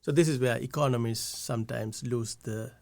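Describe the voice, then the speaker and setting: A man's voice: medium pitch, fairly even intonation, normal speed, gravelly, a little mellow, no room sound. A man from Sri Lanka, an economist guest explaining step by step with many filler sounds and restarts. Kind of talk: explanatory podcast talk. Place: studio.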